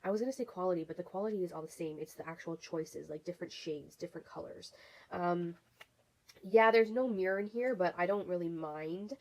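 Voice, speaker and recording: A woman's voice: lowish voice, fairly quick, rough recording. A woman vlogger chatting casually through makeup reviews, full of fillers and restarts, while getting over a cold. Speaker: beauty vlogger.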